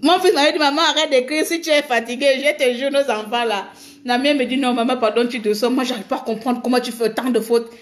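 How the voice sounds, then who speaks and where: A woman's voice: high voice, fairly even intonation, fast. A middle-aged woman from Gabon, chatting casually on a live stream, teasing her viewers and laughing often.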